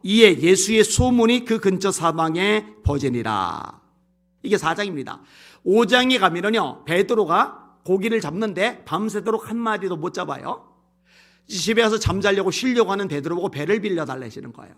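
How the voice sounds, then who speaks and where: A man's voice: sits high, expressive, moderate pace. A male pastor preaching a sermon, reading scripture aloud and explaining it in a plain, conversational way, with a strained voice from bronchial trouble. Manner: reads scripture loudly, then explains in plain conversational asides.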